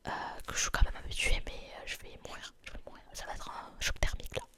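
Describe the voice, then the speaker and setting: Girl, whispering the whole time, chatty asmr vlog, laughs at herself. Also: fast talker. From southern France. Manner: whispering throughout, chatty and self-deprecating. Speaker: vlogger. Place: outdoors in freezing cold.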